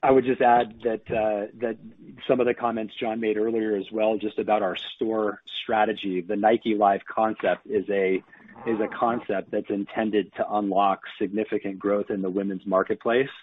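A man's voice: on the low side, little pitch movement, moderate pace, narrow, tinny audio. A male company executive adding his answer to an analyst's question on an earnings call. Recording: dry, band-limited phone conference line.

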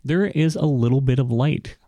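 A man acting as game master, improvising narration and chatting casually, often pausing to find his words. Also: mid-range voice, warm tone, no room sound. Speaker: game master and show host.

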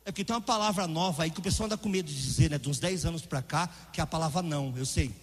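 A man's voice: fairly high pitch, racing, long reverb tail. A male pastor preaching a sermon with vehement, emphatic delivery.

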